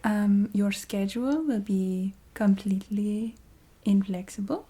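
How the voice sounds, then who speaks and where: A woman playing a courteous, matter-of-fact vampire receptionist in a soft-spoken ASMR roleplay, half-whispering in a put-on Eastern European accent with halting, formal phrasing. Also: medium pitch, fairly even intonation, breathy edge. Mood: matter-of-fact, approving. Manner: halting, formal phrasing with small hesitant hums.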